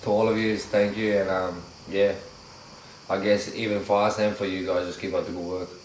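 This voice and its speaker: Speaking with an Australian accent at a fairly quick pace, a man pitched fairly low keeps a monotone, flat intonation with long, frequent pauses. Noticeable background noise and audible room echo surround him. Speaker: vlogger. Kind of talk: casual chat.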